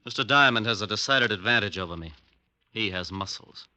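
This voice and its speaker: An actor playing a sneering, sardonic man in a 1940s radio crime drama, cool and quick in manner. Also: fairly low pitch, bright, forceful tone, no echo.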